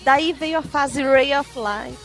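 A woman's voice: high-pitched, slow. A woman with a Brazilian accent in casual chat, blunt, slangy and emphatic. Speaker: podcast guest. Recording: music playing under the talk.

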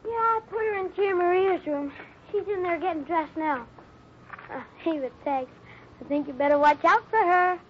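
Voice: very high voice, normal speed. A performer playing an eager, mischievous young boy cowboy in a 1950s radio serial, earnest and teasing. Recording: muffled, noisy old radio recording.

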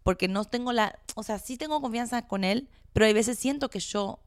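A woman co-hosting a casual chat with her partner, candid and expressive, laughing easily. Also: on the high side, normal speed, smooth, no echo, studio quality. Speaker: co-host.

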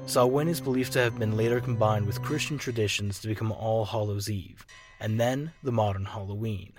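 A man reading scripted narration in a measured, formal manner and hosting the show's credits. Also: fairly low pitch. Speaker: narrator and podcast host. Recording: music under the narration.

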